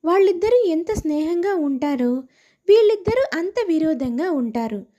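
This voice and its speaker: High-voiced woman narrating a cartoon tale. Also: animated, normal speed, warm tone. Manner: plain storytelling. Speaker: storyteller. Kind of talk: scripted narration. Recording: dull lo-fi.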